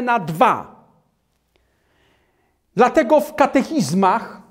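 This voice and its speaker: An older man preaching a lecture-style sermon in a small hall, emphatic, pointing at a map and holding up a booklet as he talks. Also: high voice. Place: small hall with maps on the wall.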